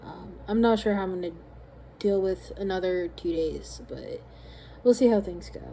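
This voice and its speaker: Tired woman, mellow voice, rambling. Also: on the low side, moderate pace, a little hiss or hum, poor audio. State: voice slightly strained, starting to go. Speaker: small craft business owner vlogging. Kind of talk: casual rambling vlog diary. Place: hotel room.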